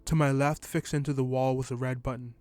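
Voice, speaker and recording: A man narrates a first-person short story, reading at a steady, even pace. His voice sits in a middle pitch. The sound is dry and close to the mic. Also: a little fast, dry recording.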